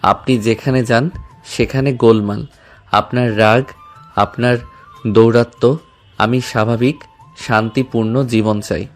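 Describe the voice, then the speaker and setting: An actor playing a shy, nervous young man who speaks in a hesitant, halting way in an audio drama. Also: mid-range voice, fairly even intonation, soft background music, lightly acted. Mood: flustered.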